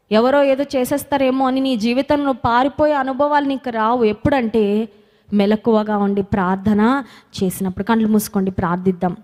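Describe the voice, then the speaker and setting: A woman's voice: a little high, darkish tone. A woman preacher, giving a sermon and leading prayer, repeating phrases and asking herself questions. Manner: repeats phrases, asks and answers her own questions, drops into English. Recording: long hall reverb with music behind.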